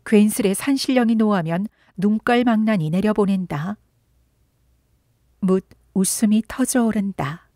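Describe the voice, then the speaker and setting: A woman narrating a literary audiobook in a gentle, unhurried storytelling voice that sometimes drops into a whisper. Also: medium pitch, no echo, studio quality. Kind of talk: soft literary audiobook reading.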